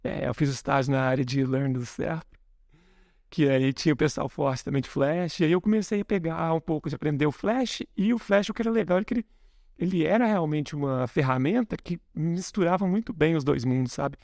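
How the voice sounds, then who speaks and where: A man around forty from Belo Horizonte, speaking as a guest in a casual podcast conversation, relaxed and thoughtful, often correcting himself mid-sentence. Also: a little high, a little fast, gravelly, no echo, studio quality. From Brazil, Belo Horizonte. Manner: relaxed, thoughtful, frequent self-corrections, chuckles softly. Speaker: guest, software engineer.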